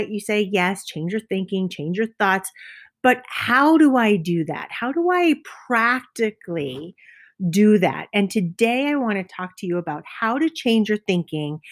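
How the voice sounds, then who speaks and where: A middle-aged woman hosting a motivational podcast, enthusiastic, sometimes dropping to a soft whisper for emphasis. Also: mid-range voice, sing-song, unhurried. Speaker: podcast host.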